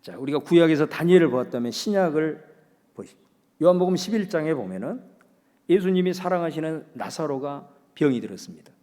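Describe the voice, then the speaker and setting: A man preaching in a high-pitched voice, moving from loud, ringing declarations to near-whispers. His words ring out in a long church reverb. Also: expressive, fast talker. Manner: dramatic preaching, swinging between loud proclamation and hushed speech. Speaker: pastor. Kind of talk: sermon.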